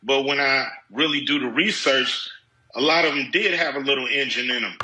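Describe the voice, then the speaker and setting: A man reflecting on family history, speaking haltingly with many fillers. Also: mid-range voice, pushed and bright, slight background noise, poor audio. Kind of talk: reflective interview talk.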